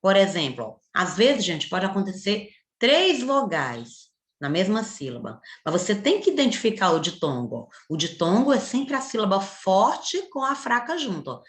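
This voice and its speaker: Brazilian woman, middle-aged schoolteacher, patient and coaxing, animated pitch, echoey room. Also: normal speed. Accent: Brazilian Portuguese. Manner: patient, repetitive, coaxing with tag questions. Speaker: primary school teacher. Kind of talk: recorded video lesson.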